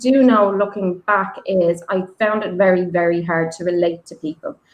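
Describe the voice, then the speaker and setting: This woman speaks with an Irish accent at a medium pitch. Her pace is fairly slow. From Ireland, Dublin. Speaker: psychic medium. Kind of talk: interview. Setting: livestream.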